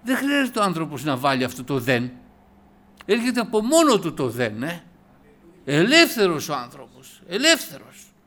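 Animated man telling his testimony. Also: fairly high pitch. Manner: animated storytelling, acting out quoted dialogue; rises loud and emphatic on key points. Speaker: church testimony speaker. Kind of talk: personal conversion testimony.

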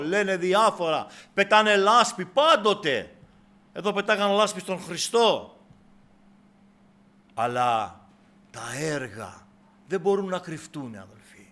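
A middle-aged man preaching a sermon with fervour, calling out to his brothers, rising to shouts and dropping to a hush. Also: high voice. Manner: fervent, repeats "brothers", rises to shouts then drops to a hush.

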